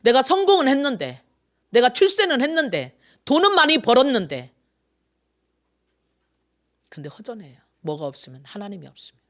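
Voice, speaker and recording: A pastor in their sixties preaches a Sunday sermon, putting question after question to the congregation. Key phrases come back again and again, first pushed out loud, then let fall into a soft aside. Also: sits high, sing-song, moderate pace, pauses often. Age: 60s.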